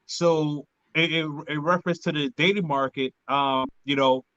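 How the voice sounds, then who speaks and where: A man hosting a casual money talk show, speaking haltingly with many fillers and restarts. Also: on the high side, fairly even intonation, a bit bright, smooth, no echo. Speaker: podcast host. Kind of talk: casual panel chat. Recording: dull, dry lo-fi audio.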